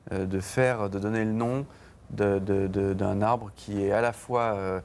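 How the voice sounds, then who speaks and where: A man's voice: on the low side, fairly even intonation, unhurried, a little mellow. A man, a band's songwriter, talking casually in a TV interview, hesitant, with many fillers and restarts. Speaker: band songwriter, interview guest. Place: TV studio.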